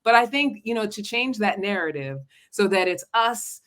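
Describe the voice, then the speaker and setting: A woman's voice: mid-range voice, expressive, moderate pace, a bit bright. An American woman hosting an interview podcast, affirming her guest and chatting with enthusiasm. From United States. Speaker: podcast host and relationship coach.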